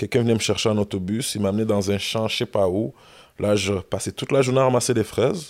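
On a very clean recording with a silent background, a man speaks very fast in a fairly low pitch with ordinary pitch variation. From Montreal, Saint-Léonard. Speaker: rapper. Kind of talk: casual interview.

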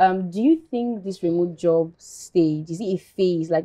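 A woman with a plain, everyday voice. Her pitch sits fairly low and varies in an ordinary way. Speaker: podcast co-host. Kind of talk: casual chat.

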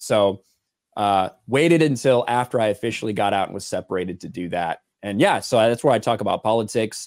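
The speech is fairly quick, with ordinary pitch variation. It comes in an unremarkable speaking voice with an American accent. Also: man, fairly low pitch for a man. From US Midwest (Indiana). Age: 30s. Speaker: navy veteran and YouTube commentator. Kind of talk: interview.

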